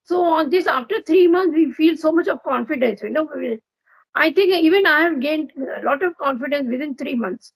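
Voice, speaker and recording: A woman's voice: high voice, animated, moderate pace, low-quality recording. A woman with an Indian English accent hosting an English practice video call, asking friendly, encouraging questions. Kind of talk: casual video call chat.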